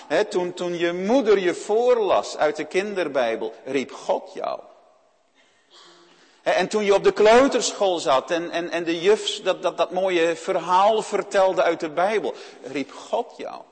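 A man's voice: sits high, animated, unhurried. A man preaching a sermon, earnest and speaking directly to his listeners with frequent "hè" tags. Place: church. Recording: long church reverb.

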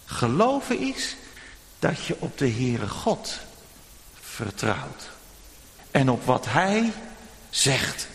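A man preaching a children's sermon in church, telling a story gently and speaking directly to the children. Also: mid-range voice, huge pitch swings, drawn-out words, long pauses. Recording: long church reverb.

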